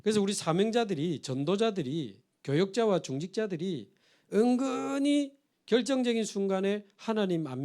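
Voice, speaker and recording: High-voiced Korean pastor preaching. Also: male voice, a little mellow. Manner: storytelling with acted quotes, rising emphatic appeals. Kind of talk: sermon. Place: church sanctuary.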